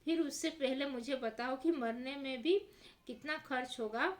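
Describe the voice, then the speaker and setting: Lady doing a stingy cranky merchant guy from a story, high and shouty. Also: a little slow. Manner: exclaims loudly in short outbursts. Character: miserly middle-aged male merchant, penny-pinching and indignant.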